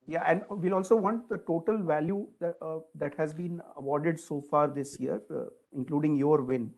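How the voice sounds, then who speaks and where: A man's voice: a little high, normal speed, vocal fry, a little mellow, low-quality recording. A man asking detailed questions as an analyst on an earnings call, polite and hesitant.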